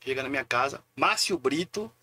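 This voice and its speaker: Gravelly man telling stories. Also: mid-range voice, a little fast, no room sound. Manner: lively anecdotes, acting out quoted voices. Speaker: guest poet. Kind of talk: casual storytelling in a live interview.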